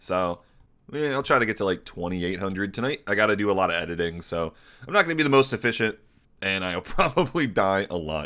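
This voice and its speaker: Putting on a raspy character voice, a man talks at a very fast pace with lively intonation and a fairly low pitch, in a very clean recording with a silent background. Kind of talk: casual vlog.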